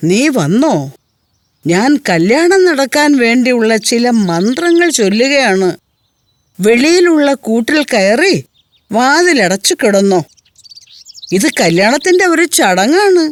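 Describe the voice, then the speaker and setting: A woman's voice: on the high side, very animated, slow pace, long pauses, dry recording. A woman voicing a wily, fearful old village priest, grandfatherly and placating, in a children's cartoon story.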